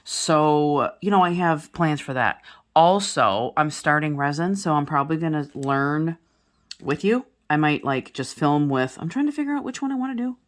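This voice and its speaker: A woman in her forties with a low-pitched voice chats casually to her audience as a crafting vlogger. She rambles from one thing to the next, full of fillers and self-corrections. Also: expressive, moderate pace. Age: 40s. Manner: rambling, many fillers and restarts. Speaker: diamond painting vlogger. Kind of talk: casual chat to viewers while crafting.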